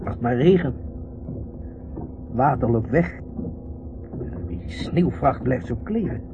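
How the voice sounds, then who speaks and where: An actor playing a stubborn, grumbling husband at the wheel who insists he is calm, in a Dutch radio play. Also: mid-range voice, takes it slowly. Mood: dry complaining. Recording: muffled, noisy old radio recording.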